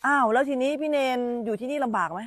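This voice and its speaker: A woman's voice: sits high, racing, fairly bright tone, dry recording. Chatty woman meditation teacher, dry sound. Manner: chatty, repeats phrases, chats with children off the cuff. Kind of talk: informal dharma talk on a live stream.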